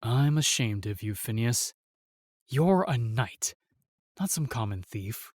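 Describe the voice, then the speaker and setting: A man plays a gallant, protective knight in a fantasy audio roleplay, speaking formally and courteously in a middle-pitched, darkish voice. He's earnest and reserved yet animated, slow and stern. The sound is close and dry, with no room sound.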